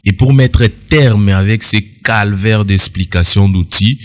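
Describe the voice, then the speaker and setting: A man's voice: on the low side, slow pace. A man walking viewers through a phone editing app in a casual, explanatory screen-recorded tutorial. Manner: explanatory, addresses viewers directly, casual asides. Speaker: tutorial instructor.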